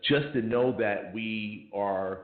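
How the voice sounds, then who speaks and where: Low-voiced male co-host, jokey banter, lo-fi roomy recording. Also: takes it slowly. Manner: joking, teasing, laughs often. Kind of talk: casual radio show banter. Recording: echoey, phone-like radio sound.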